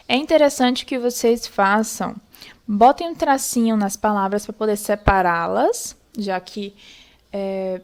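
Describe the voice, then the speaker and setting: A woman's voice: fairly high pitch, darkish tone. A young woman teaching an online lesson, explaining patiently step by step and checking in often with her students.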